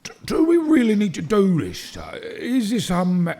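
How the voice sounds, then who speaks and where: Nervous, deferential underling for horror audio drama: husky voice, wildly animated, halting delivery. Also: male voice, high voice, full character voice. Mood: anxious, hesitant. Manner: stammering, hesitant, servile. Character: nervous, deferential male henchman with hidden cunning.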